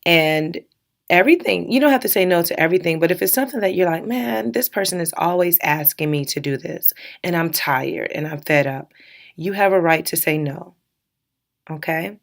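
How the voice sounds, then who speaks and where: A woman in her thirties hosting a solo self-help podcast, candid and encouraging, laughing now and then, her voice a little raspy from recording early in the morning. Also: fairly low pitch, expressive, normal speed. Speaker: podcast host.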